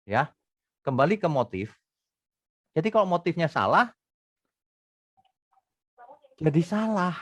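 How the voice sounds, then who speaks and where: A man's voice: on the high side, sing-song, slow pace, long pauses, dry recording. Middle-aged male pastor, emphatic sermon delivery, dry close sound. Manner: emphatic, swings between loud bursts and quiet asides. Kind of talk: expository sermon.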